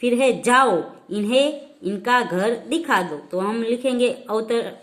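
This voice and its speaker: A woman teacher from India walking children slowly through a language lesson, dictating answers step by step. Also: a little high, a bit bright. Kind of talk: slow explanatory lesson for children.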